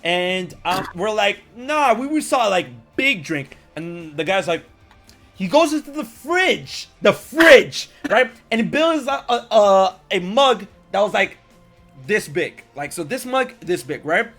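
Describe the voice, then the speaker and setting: A young man from the United States with a high, bright voice, spinning a lively story in loose conversation. He acts out what people said, jumping up loud and high for the punchlines. Faint music sits under the recording. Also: a little slow. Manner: animated, acts out quotes with loud jumps. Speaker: podcast host. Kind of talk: casual storytelling chat.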